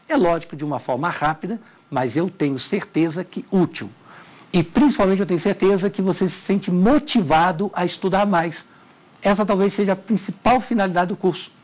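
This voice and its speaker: A man's voice: sits high, darkish tone. A middle-aged Brazilian man teaching legal Portuguese in a televised lecture, emphatic and repeating his key warnings. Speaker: law language teacher.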